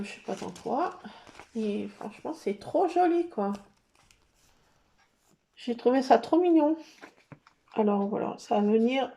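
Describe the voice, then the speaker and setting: Chatty, soft-toned woman. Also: high voice. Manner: chatty, rambling, full of hesitations. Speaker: scrapbooking vlogger. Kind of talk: casual show-and-tell chat.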